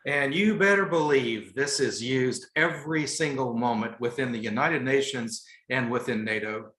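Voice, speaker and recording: A man's voice: mid-range voice, normal speed, a bit bright. Joking man on a roomy call. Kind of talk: casual chat.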